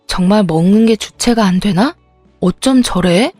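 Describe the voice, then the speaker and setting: A woman reads a first-person family story in a plaintive, confiding tone, like a radio story segment. Her voice sounds dry and close to the mic, with soft music playing underneath. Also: mid-range voice, measured pace, no room sound. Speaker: story narrator.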